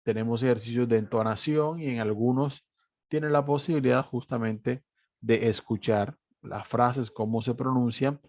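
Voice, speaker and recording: Patient teacher explaining exercises. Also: male voice, medium pitch, steady tone, moderate pace, darkish tone, no echo. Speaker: English teacher. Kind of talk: online class walkthrough. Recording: dry, slightly dull recording.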